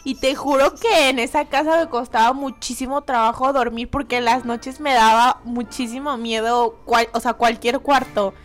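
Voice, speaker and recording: A woman's voice: on the high side, fairly even intonation, normal speed, hardly any pauses, faint music behind. Chatty Mexican woman podcast co-host. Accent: Mexican Spanish. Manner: chatty, laughs mid-sentence. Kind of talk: casual chat.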